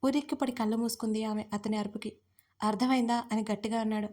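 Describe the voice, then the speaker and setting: Female storyteller for an audio drama series, steady delivery, fairly high pitch. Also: racing. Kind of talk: scripted narration.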